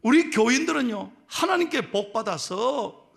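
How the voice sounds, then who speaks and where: A middle-aged male pastor with a Gyeongsang accent, preaching a sermon in a joking, lively way and teasing his congregation. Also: very high-pitched, normal speed, vocal fry. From Gyeongsang region of Korea. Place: church sanctuary.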